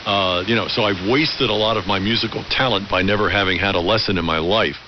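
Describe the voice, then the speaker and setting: A man's voice: fairly low pitch, brisk, dull audio. Reflective man on hissy AM radio. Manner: reflective, articulate storytelling. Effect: AM ham radio transmission. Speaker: amateur radio operator. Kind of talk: long conversational radio transmissions. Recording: band-limited AM radio with loud hiss. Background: radio hiss.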